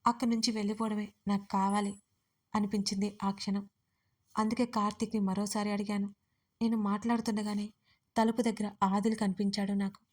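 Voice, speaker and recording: A woman telling an audio story in the first person, with a plain, steady read. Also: mid-range voice, a little fast.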